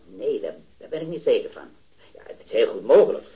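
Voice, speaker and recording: Over dull audio, a man with a mid-range, very animated voice acts the part of a hesitant metal worker in his early thirties, eager to tell of a robbery he saw, in 1970s radio drama style. His unsure, rambling account halts and stammers, with words repeated.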